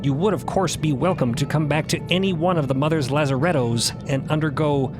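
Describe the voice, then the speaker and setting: A man acts out a solemn priestly machine healer in a fiction podcast. The voice sits fairly high, with formal, probing, courteous phrasing, over a clear music bed. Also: fairly quick, lightly acted. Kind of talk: narrative fiction podcast acting.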